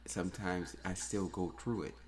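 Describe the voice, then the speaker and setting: A man's voice: sits low, fairly even intonation, moderate pace. A man who grew up in New Orleans, hosting a solo podcast and ranting earnestly, with repeated phrases for emphasis. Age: adult, has daughters. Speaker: podcast host.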